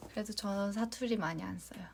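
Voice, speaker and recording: A young woman from Jeonju with a light Jeolla accent, chatting casually with fans on a livestream, giggling and sometimes dropping into a soft whisper. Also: mid-range voice, creaky, a little hiss or hum. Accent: light Jeolla Korean. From Jeonju, Korea. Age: young adult. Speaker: idol livestream host.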